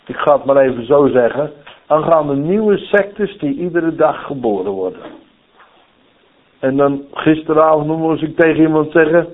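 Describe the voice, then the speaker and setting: A man preaching a sermon in a folksy storytelling way, often checking in with "hè?", who grew up in the Netherlands. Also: on the high side. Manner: folksy, lively storytelling with many "hè?" asides. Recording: tinny phone-like sound.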